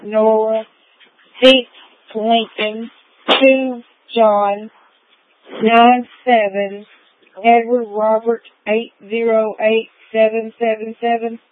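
Woman over walkie talkie; slow, monotone plate readout, thin radio sound. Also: on the high side, no room sound. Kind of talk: spelling out a plate number. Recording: tinny, dry radio transmission.

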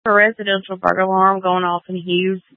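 A woman dispatcher reads out calls briskly over the radio. Her voice comes through tinny, dry and somewhat distant. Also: mid-range voice, level tone, dry recording. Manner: brisk, procedural.

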